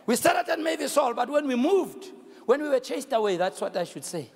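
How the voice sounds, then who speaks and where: Shouting South African preacher with gravelly voice. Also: male voice, very high voice, big pitch swings, fairly quick. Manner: shouting, storytelling, repeats phrases for emphasis. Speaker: bishop and pastor. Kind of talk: sermon. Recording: long hall reverb.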